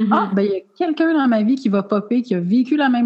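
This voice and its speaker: Here, a woman talks. There is a somewhat breathy quality to her voice. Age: 40s. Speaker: astrologer. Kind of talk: casual interview chat. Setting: remote recording. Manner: animated.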